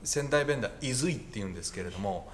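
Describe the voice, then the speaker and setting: A man's voice: on the low side, animated, racing, slight background noise. A male pastor preaching a conversational sermon with wry asides and self-corrections.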